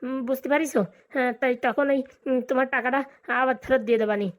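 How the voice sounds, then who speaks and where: A woman's voice: high-pitched, fairly even intonation, quick pace, lightly acted. A woman voicing a nervous, balding young bridegroom in a comic cartoon, hesitant and deferential. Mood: wheedling.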